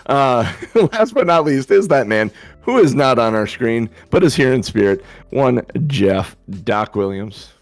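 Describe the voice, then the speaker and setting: A man's voice: mid-range voice, lively intonation, measured pace, few pauses, no room sound. A man acting as dungeon master, chatting and joking with his players before a tabletop game session on a video call.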